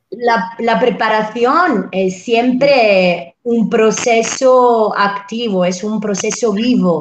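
In an Italian accent, a woman talks at a very slow pace with hardly any pauses, her fairly high pitch showing ordinary variation. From Sicily, Italy. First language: Italian (speaking Spanish). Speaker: actress and dancer. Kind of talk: interview. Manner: halting.

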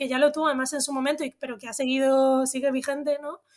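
The woman's voice sits at a high pitch and holds a monotone, flat intonation. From Madrid, Spain. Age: 30s. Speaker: writer and essayist. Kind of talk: interview. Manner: halting, many fillers and repetitions.

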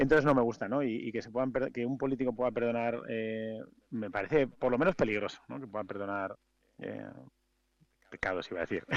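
In a plain, everyday voice, a man speaks at a fairly quick pace, medium in pitch, with ordinary pitch variation and big swings in loudness. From Madrid, Spain. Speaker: DJ and DJ teacher. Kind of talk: radio interview.

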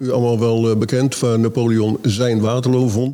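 A man over noticeable background noise. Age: 70s. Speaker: reenactment hobbyist. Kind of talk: live interview before audience. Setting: museum hall with live audience.

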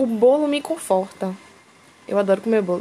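Noticeable background noise is present. Over it, a woman speaks fairly high in pitch. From Brazil, Pernambuco (Cabo de Santo Agostinho, near Recife). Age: 20s. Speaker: podcast host, nursing student. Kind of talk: casual monologue.

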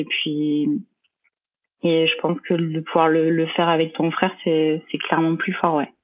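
This is an ordinary speaking voice from a woman, fairly low in pitch. She goes at a fairly slow pace. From France, Lozère (Mende). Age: 30s. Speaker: professional triathlete. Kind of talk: interview.

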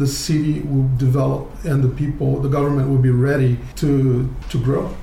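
A fairly high-pitched man speaks slowly with fairly even intonation. Noticeable background noise and audible room echo fill the recording. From Brazil, Rio de Janeiro. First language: Portuguese (speaking Russian). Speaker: restaurant owner. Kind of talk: interview.

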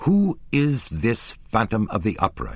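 A man's put-on character voice, growling at medium pitch with very wide pitch swings and a moderate pace. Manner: snarling, demanding.

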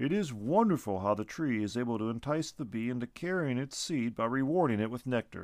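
Lively intonation in a natural reading voice

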